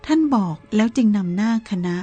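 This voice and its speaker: A woman reading a Buddhist novel aloud in a calm, measured storytelling manner, with soft music behind her. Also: mid-range voice. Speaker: narrator.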